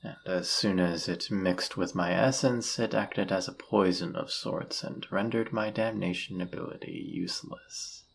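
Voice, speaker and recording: A man playing a suave, seductive demon in a flirty audio roleplay, husky and gravelly, with a teasing, theatrical, often murmured delivery. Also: deep voice, steady tone, measured pace, hardly any pauses, slight background noise. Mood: puzzled, bitter. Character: suave seductive male demon, smug and dangerous.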